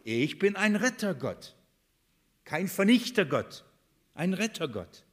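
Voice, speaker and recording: A man preaching a sermon to a congregation. He reads scripture aloud, slows down to stress key words and asks the room rhetorical questions. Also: high-pitched, sing-song, husky.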